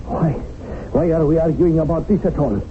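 An actor playing a fanatical, imperious revolutionary gang leader in a radio drama, with a pompous, declamatory manner. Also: male voice, on the high side, normal speed, natural voice. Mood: commanding. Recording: hissy, tinny old radio recording.

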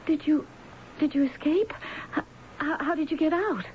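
An actress playing a dazed, frightened wife in an old-time radio drama, hesitant and stammering. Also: female voice, high voice, normal speed, natural voice. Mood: shocked. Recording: dull, noisy old radio broadcast.

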